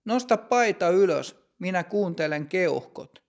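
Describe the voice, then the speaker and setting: In a read-aloud storybook lesson, a businesslike doctor, as a man puts him on, asks brisk questions. The voice sits fairly high with a gravelly edge. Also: lively intonation.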